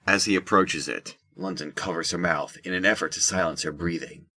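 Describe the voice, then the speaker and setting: Deep, husky male narrator. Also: fairly even intonation, brisk, bright, forceful tone. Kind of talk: scripted audio drama narration.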